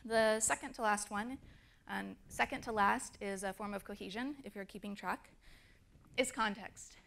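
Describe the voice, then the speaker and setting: A woman's voice: medium pitch, moderate pace, vocal fry, fairly bright tone. A woman speaker at a design conference, explaining her points with fillers and demonstrating intonation. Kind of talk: conference talk. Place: conference stage.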